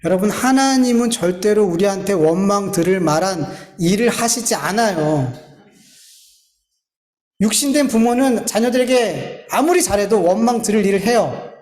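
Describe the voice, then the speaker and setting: A man's voice: sits high, lively intonation, normal speed, a little mellow. A man preaching a sermon as a pastor, earnest and pleading, often turning to address his congregation directly. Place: church sanctuary. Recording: echoey church hall.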